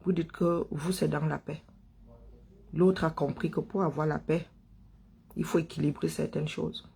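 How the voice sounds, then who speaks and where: With a slightly high, warm voice touched by vocal fry, a Cameroonian online political commentator gives a heated monologue. He presses points through emphasis, rhetorical questions and repetition, and slight background noise can be heard.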